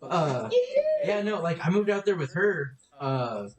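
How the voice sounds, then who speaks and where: A man's voice: on the high side, animated, unhurried. A young man hosting a casual podcast chat, laid-back, filling his talk with "like" and "dude". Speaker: podcast host. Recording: echoey playback in the audio.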